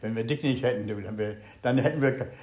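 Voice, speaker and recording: An older man giving a Zen meditation talk to a group, speaking haltingly, searching for words and swinging between loud and very soft. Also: mid-range voice.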